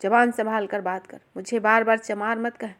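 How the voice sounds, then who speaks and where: A woman's voice: on the high side, fairly even intonation, moderate pace, a bit bright, lightly acted. A woman voicing a proud, stubborn middle-aged village shoemaker who speaks firmly and plainly. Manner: firm, resentful, plainspoken.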